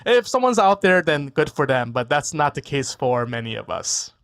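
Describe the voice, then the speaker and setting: A man's voice: on the high side, sing-song, normal speed, a bit bright. A man in his forties from New York, a guest physician whose first language was Korean. He talks in a casual, thoughtful way, repeats words and often tags on "right?", speaking over a video call from a room at home. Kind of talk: casual interview talk.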